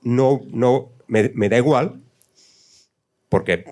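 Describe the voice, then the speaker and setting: A man putting questions on a panel, conversational, with halting, repetitive phrasing. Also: medium pitch, darkish tone. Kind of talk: casual panel discussion. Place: live panel event with several speakers.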